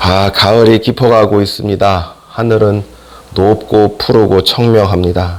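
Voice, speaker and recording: A man speaks very slowly at a fairly low pitch. His intonation is monotone and flat, over noticeable background noise. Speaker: pastor. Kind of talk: sermon. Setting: church service broadcast.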